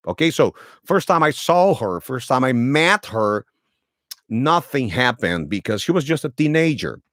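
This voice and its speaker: Slow, lively Brazilian man retelling for learners. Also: a little high, no room sound, clean studio sound. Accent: Brazilian Portuguese. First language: Portuguese. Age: 30s. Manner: repeats and rephrases each sentence for learners. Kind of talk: slow storytelling lesson for learners.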